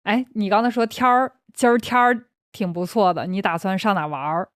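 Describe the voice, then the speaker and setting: A woman's voice: medium pitch, fairly even intonation, brisk, dry recording, studio quality. Chatty young Beijing woman teaching. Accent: Beijing Mandarin. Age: young adult. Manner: chatty, breaks into laughter, restarts phrases. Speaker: Chinese teacher and host. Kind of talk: casual explanatory chat for learners.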